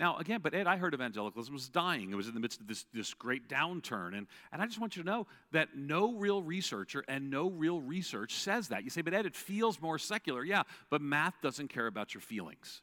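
This man has an American accent and a fairly high pitch, talking at a fairly quick pace with very wide pitch swings and a bright, sharp tone. The recording is very clean with a silent background, dry and close with no echo. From New York (Long Island). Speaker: church researcher and pastor. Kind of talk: keynote speech. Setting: conference stage with audience.

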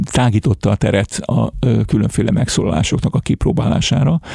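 A man speaks at a moderate pace over noticeable background noise, the sound dry and close with no echo. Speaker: musician and radiologist. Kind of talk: interview.

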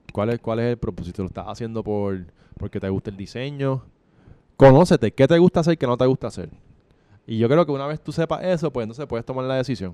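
Talking at a very fast pace in a Puerto Rican accent, a man has a medium pitch, a dark, mellow tone and lively intonation, the sound dry and close with no echo. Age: 30s. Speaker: fashion designer. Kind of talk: interview.

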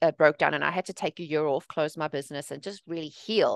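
A woman with a South African accent at a very fast pace, lively intonation, in a dry, close sound with no echo against a quiet background. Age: 40s. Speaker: mindset coach. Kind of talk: interview.

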